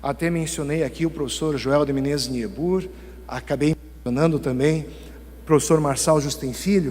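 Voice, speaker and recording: A man with a Curitiba accent speaks at a moderate pace in a fairly high pitch. His intonation is fairly even, and there is audible room echo. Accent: Curitiba accent, marked. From southern Brazil, Curitiba. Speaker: law professor. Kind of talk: lecture. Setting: stage with audience.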